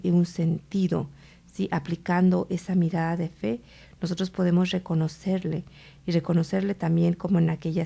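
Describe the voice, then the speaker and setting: A woman hosts a radio prayer program, speaking slowly about faith and often checking in with her listeners. Her voice sits low, with a mellow, dark tone and a gravelly fry at the ends of phrases. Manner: unhurried, with frequent tag questions to listeners. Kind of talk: radio Bible teaching and prayer.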